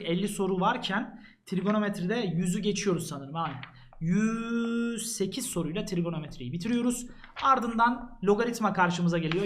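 A man's voice: high voice, slight background noise. Earnest male math teacher. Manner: earnest, addresses students directly, flips through pages. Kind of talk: casual walkthrough of a prep book.

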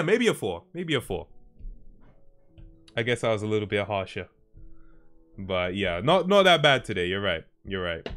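A young man streams from a home streaming room indoors on a headset, chatting casually and laughing often with his chat in a laid-back way. His voice is lowish, a bit bright, clear and resonant.

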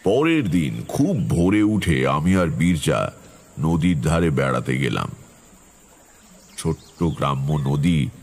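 Very deep, brooding storyteller. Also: male voice, creaky, exaggerated voice. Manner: measured, brooding. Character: brooding male tantric storyteller recalling eerie village tale. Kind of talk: dramatic first-person horror narration.

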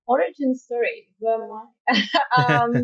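A woman's voice: fairly high pitch, unhurried, far from the mic, highs cut off. A woman in her twenties from the Czech Republic, speaking English with a Czech accent, chatting casually in a podcast interview, with many fillers and frequent laughs. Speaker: guest, matte painter.

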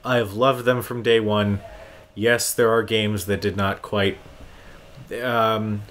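A man's voice: fairly low pitch, level tone, takes it slowly, fairly bright tone, slight background noise. A man hosting a gaming show, giving casual gameplay commentary in an informal, enthusiastic fan's manner.

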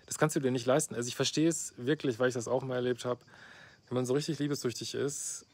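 A man's voice: mid-range voice, steady tone, quick pace, a little mellow. A middle-aged man, a couples therapist, reading out a viewer's letter and commenting on it bluntly and sarcastically. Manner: blunt, sarcastic, frequent "ne?" tags and fillers. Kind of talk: casual reaction vlog, reading out and commenting.

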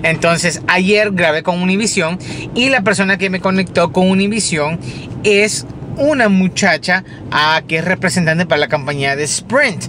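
A man's voice: high-pitched, normal speed, noisy background. A man chatting casually in a daily vlog, rambling with fillers and restarts while driving. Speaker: vlogger. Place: in a car, driving.

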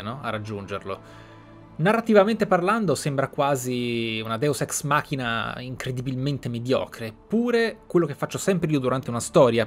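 Italian man commentating, with music behind. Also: mid-range voice. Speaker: streamer, let's player. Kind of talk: roleplay game commentary.

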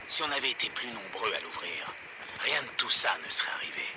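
An actor playing a suspicious, defiant anti-government pirate radio host in a video game, preaching earnestly on air. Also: male voice, fairly low pitch, animated, fairly quick, natural voice. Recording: clear background noise, outdoor game ambience.

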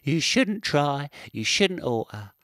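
A man doing a high, sneering squirrel. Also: big pitch swings, takes it slowly, a bit bright, no echo, studio quality, exaggerated voice. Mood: mocking. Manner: sneering, mocking. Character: boastful cheeky male squirrel.

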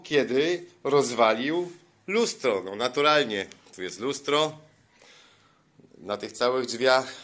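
A man narrating a walkthrough of a house, complaining with exasperated sarcasm about shoddy repairs, filmed on a phone indoors. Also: medium pitch. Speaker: vlogger.

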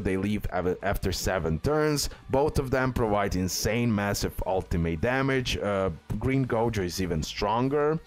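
A man giving casual, hyped commentary on a game tier list, in an informal way full of emphatic superlatives. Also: on the low side. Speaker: gaming YouTuber. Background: background music.

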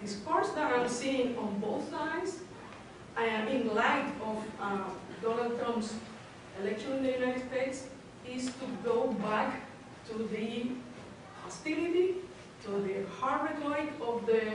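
Panelist, woman, higher voice, recorded from far off in an echoey room with background noise. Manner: hesitant, many fillers and restarts. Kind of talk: academic panel talk. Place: lecture room. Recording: echoey hall from far off, noisy.

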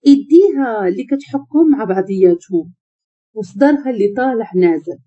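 Moroccan woman telling a dramatic story, husky very warm voice, bit high, muffled lo-fi recording. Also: animated, brisk.

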